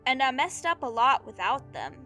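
A woman acting a guilt-ridden, blunt young runaway with powers in a naturalistic audio drama, talking in a halting, slangy, confessional way. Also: high-pitched, very animated, pushed and bright, full character voice. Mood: guilty confession. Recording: music behind the dialogue. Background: music.

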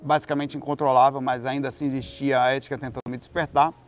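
A man with a Brazilian Portuguese accent telling a long story in a casual, rambling monologue, swearing freely and swinging between hushed and loud. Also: medium pitch, little pitch movement, fast talker, faint music behind.

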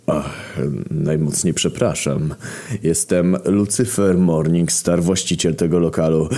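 A smooth, smirking devil of a nightclub owner, as a male narrator puts him on, dropping into a very deep, soft murmur. He draws each word out slowly, courteous on the surface with menace underneath. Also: fairly even intonation. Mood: silky menace. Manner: low, slow and silky.

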